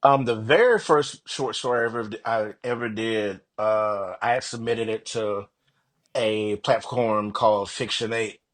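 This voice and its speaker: A man's voice: lowish voice, unhurried. A man speaking as an author guest on a podcast, talking casually in an upbeat, self-deprecating way. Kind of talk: casual conversational interview.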